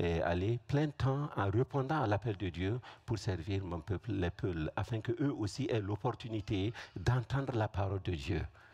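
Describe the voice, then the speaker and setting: Speaking with a West African accent, a man sounds somewhat breathy with a dark, mellow tone. The background is quiet. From Burkina Faso. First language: Fulfulde (speaking French). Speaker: missionary preacher. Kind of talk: testimony.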